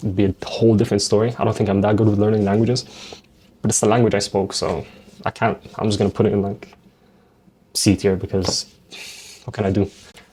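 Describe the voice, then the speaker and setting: A man talks very fast in a fairly low, somewhat breathy monotone, broken by long, frequent pauses. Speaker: student YouTuber giving school advice. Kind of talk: casual vlog monologue. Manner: casual, filler-heavy.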